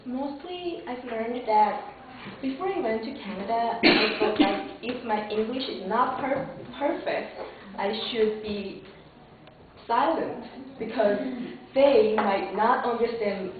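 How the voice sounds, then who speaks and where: Speaking slowly in a slightly high voice, a young Korean-accented woman interviews for an English teacher position. She comes across earnest and a bit hesitant, restarting and using fillers. The sound is a distant, echoey, lo-fi room recording resembling a phone call.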